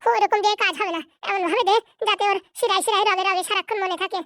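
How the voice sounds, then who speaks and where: A performer playing a bossy, scheming older village mother in a cartoon comedy. She scolds in a very high, squeaky voice at a breakneck pace. The sound is dry and close. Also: fairly even intonation, a bit bright, no echo. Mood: scolding. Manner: scolding, rapid and high-pitched.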